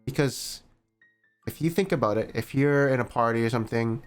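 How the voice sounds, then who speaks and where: A male streamer reads a long written statement aloud in a mid-pitched voice, skimming ahead and waving off chunks as filler. Between passages he drops wry, sarcastic comments. Faint music plays underneath. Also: brisk, clear, resonant tone. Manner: skims text, skipping parts with "blah, blah". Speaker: streamer reacting to a post.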